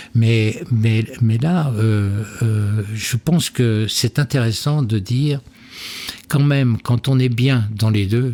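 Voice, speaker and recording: A man's somewhat breathy voice at medium pitch, dark and mellow in tone, with ordinary pitch variation and a very slow pace. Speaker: retired insurance broker. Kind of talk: interview. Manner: hesitant.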